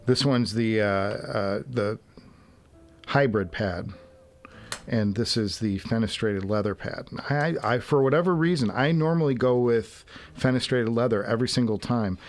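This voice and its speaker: Man, gravelly voice, mid pitch, casual live-stream host, talks to himself while tinkering, faint music behind. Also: measured pace. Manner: mutters to himself while assembling, chuckling. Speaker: livestream host. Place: home garage studio.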